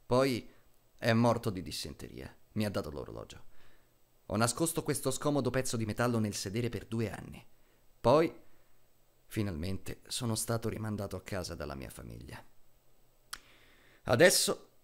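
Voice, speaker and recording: Man acting a solemn, low-voiced military officer. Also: big pitch swings, gravelly. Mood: earnest, deadpan. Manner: measured, deliberate, with dramatic pauses. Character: solemn middle-aged male military officer addressing a child. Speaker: voice actor dubbing a film character. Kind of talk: dramatic film monologue, Italian dub.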